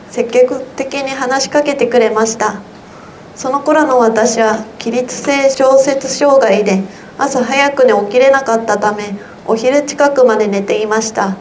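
A teenage girl, a high school student, slowly and carefully reading her own essay aloud at a symposium. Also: darkish tone, slight background noise, rough recording. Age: teens. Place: symposium hall.

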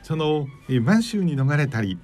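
Measured male radio interviewer. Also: a little high, very animated, a little mellow, soft background music. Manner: measured, halting phrasing with fillers. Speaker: radio show host and journalist. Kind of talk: interview questions.

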